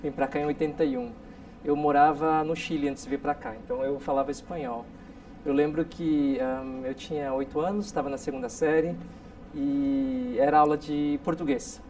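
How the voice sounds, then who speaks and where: A man in his forties from South Korea, a guest telling stories in a relaxed interview with many tag questions. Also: fairly high pitch, moderate pace. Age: 40s. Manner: storytelling, frequent tag questions. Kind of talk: casual interview talk. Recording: distant mic with faint noise.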